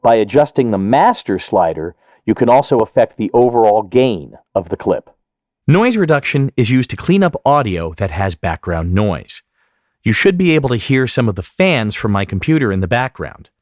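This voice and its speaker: A man narrating a software tutorial as an instructor, explaining each step methodically. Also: medium pitch, sing-song, moderate pace, no echo, studio quality. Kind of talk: instructional screen-recording narration.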